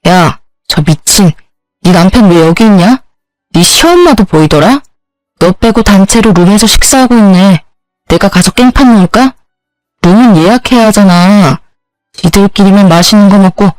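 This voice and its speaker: A woman's voice: mid-range voice, lively intonation, normal speed, a little mellow, no room sound, natural voice, rough recording. Woman playing a furious best friend in a dramatized story, coarse and indignant, set against faint background music on a dry, close recording. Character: fuming loyal female friend on the phone.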